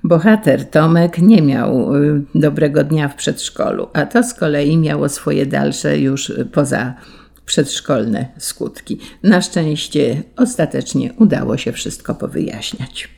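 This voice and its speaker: A man with a gravelly, creaky voice pitched a little high gives a calm, measured introduction to a children's story. He reads it as a scripted announcement, with only small hesitations. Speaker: radio presenter introducing a story.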